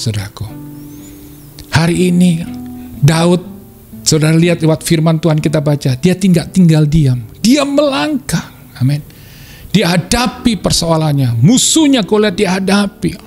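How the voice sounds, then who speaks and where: A male pastor preaching a sermon with passion, his voice jumping up in pitch to stress a point. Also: normal speed, darkish tone, soft background music.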